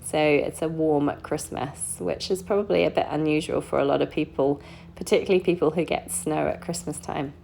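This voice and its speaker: Kiwi lady rambling easy while she colours, lowish voice, lots of ums. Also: fairly quick, vocal fry, a little hiss or hum. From New Zealand. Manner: chatty and relaxed, with frequent ums and small laughs. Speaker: card-making crafter. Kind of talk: casual voice-over narration while colouring. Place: home craft desk.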